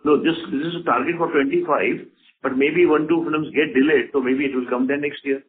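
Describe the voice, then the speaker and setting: A man with an Indian accent answering investor questions as a company executive, repeating words and phrasing things haltingly. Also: a little high, fairly even intonation, a little hiss or hum. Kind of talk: unscripted investor conference call answers. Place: telephone conference call. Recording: phone-like conference call audio.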